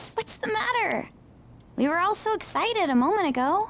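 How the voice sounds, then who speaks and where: A squeaky, put-on character voice sits at an extremely high pitch with very wide pitch swings. It moves at a moderate pace. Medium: video game. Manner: assertive, boastful.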